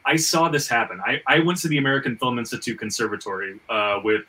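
A man's voice: medium pitch, quick pace, sharp tone, distant mic. A man hosting a casual panel talk, repeating and stammering over words as he reasons aloud. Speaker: podcast host; screenwriter and fiction writer. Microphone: video call.

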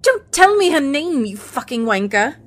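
An actress playing a sharp-tongued, sardonic woman lover in an audio drama, expressive and prone to swearing. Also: a little high, slow pace, heavily acted. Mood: outraged, sardonic. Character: sharp-tongued, foul-mouthed woman lover, wry then furious.

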